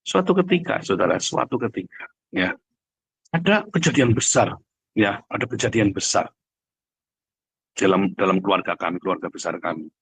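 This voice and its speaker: Husky man preaching emphatically. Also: fairly low pitch, expressive, moderate pace, pauses often, no echo, poor audio. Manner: repeats phrases for emphasis, addresses listeners directly. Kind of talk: livestream sermon, conversational and emphatic.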